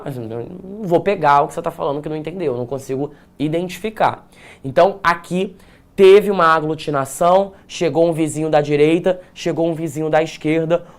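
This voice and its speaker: A man with a Brazilian Portuguese accent, teaching an online exam-prep lesson in an energetic way, repeating phrases and checking in with his students. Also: fairly high pitch.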